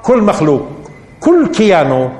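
Animated sheikh in an echoey hall. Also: male voice, high-pitched, moderate pace, faint music behind. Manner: rising to emphatic peaks, asking the audience questions. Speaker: Islamic scholar teaching Quran interpretation. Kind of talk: Quran commentary lesson.

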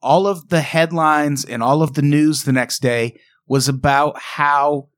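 A man's voice: a little high, steady tone, unhurried, no room sound. A man co-hosting a podcast, talking in a sarcastic, wry, casual way. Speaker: podcast co-host. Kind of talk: casual comedic chat.

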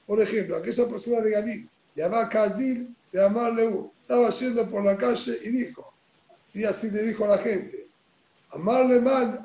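A man with a Rioplatense Spanish accent teaching a Talmud lesson in a fairly high voice with a dark, mellow tone. He explains step by step and keeps checking that his listeners follow. The recording is dull and lo-fi, with an echoey room around him. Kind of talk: religious text lesson.

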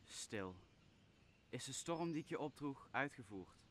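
A man's voice: mid-range voice, animated, measured pace, a bit bright, a little hiss or hum. Young man playing a brooding exiled sorcerer, solemn. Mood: commanding, brooding. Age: young adult. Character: wronged exiled sorcerer master, brooding and commanding, father figure. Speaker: drama student actor. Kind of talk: Dutch radio play, Shakespeare adaptation.

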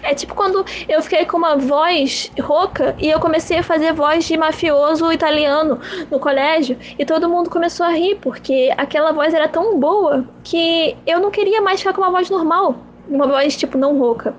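A young woman hosts her own podcast in a casual rambling monologue, musing in a self-mocking, repetitive way. Her voice is extremely high-pitched at a moderate pace, on a lo-fi recording with slight background noise.

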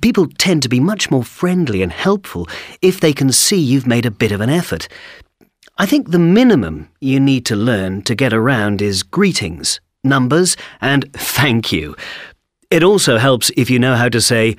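A man's voice: medium pitch, sing-song, normal speed, no echo, clean studio sound. A man speaking in a scripted monologue for a language course, enthusiastic and fluent. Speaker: speaker in a listening exercise.

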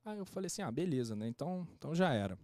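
A young man, a podcast guest casually telling an anecdote in a slangy, animated way and acting out the quotes. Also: fairly high pitch, rapid-fire, no room sound, clean studio sound.

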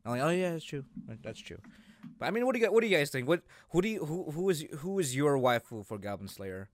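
Halting young man co-hosting, in a dry recording. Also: a little high, very animated, no room sound. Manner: halting, repeats words as he searches for phrases. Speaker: co-host of an anime discussion show. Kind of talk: casual chat.

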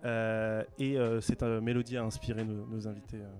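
A man hosting a casual radio chat show, relaxed and hesitant, with many fillers. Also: lowish voice, normal speed. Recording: music playing faintly behind.

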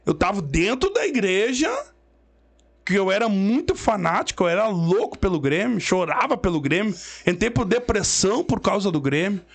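A man with a gaúcho accent from southern Brazil recounts his conversion with preacherly emphasis. His voice sits unusually high and carries a gravelly rasp. He quotes scripture and drives his points home. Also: very animated, normal speed. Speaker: guest giving a religious testimony. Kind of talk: emotional storytelling testimony.

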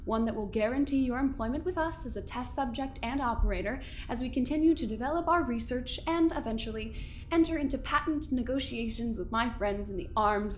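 A woman as a high-voiced, coldly menacing overseer. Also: lightly acted. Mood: businesslike, controlling. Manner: condescending, theatrical, measured. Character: coldly menacing woman overseer, smug, controlling, silky threats. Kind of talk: scripted audio drama acting.

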